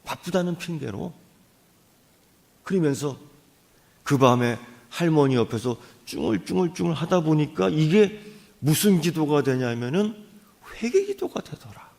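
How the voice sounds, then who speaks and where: A male pastor delivering a sermon as animated storytelling, dropping to a hush and rising again. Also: fairly high pitch, measured pace, creaky, pauses often. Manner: animated storytelling, swings from hushed to loud.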